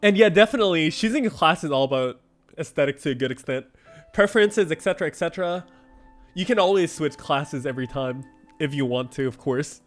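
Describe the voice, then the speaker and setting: This is a young man hosting a game livestream and chatting with viewers. His voice sits high and moves all over the place, animated and quick to laugh. Faint music plays quietly underneath. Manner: animated, laughs often, heavy use of "like". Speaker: game streamer. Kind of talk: casual livestream chat answering viewers.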